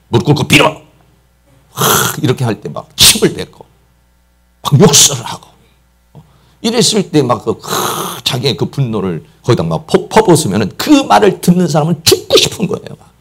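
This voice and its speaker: A man preaching from the pulpit, his voice rough with fry and climbing and dropping across a very wide pitch span. He is a middle-aged Korean pastor who leans hard on repetition and breaks into acted-out lines to drive each point home. Insistent and emphatic throughout. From South Korea. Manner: emphatic, acts out quoted speech, repeats "막" often. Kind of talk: sermon.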